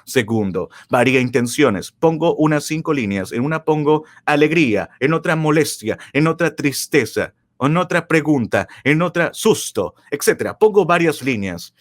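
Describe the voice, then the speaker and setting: A man's voice: animated, normal speed, few pauses. A man giving a motivational public speaking lecture, emphatic and full of rhetorical questions, repeating key phrases for effect. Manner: emphatic, with wide swings of pitch and loudness; asks the audience rhetorical questions.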